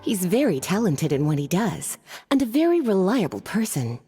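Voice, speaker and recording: Friendly young knight, mellow and lively, game music under. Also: female voice, medium pitch, normal speed, slightly rough.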